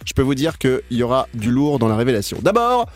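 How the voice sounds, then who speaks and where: A man's voice: medium pitch, sing-song. A man hosting a radio show in a studio, joking and teasing his team as he runs a quiz. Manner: jokey, quick to laugh, teasing. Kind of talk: lively radio game banter.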